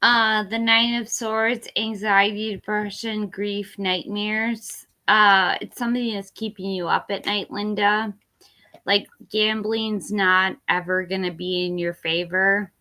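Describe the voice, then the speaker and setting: A woman's voice: mid-range voice, steady tone, takes it slowly, bright, forceful tone. A tipsy woman hosting a casual livestream tarot reading, rambling with fillers and laughing as she talks. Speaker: tarot reader and livestream host.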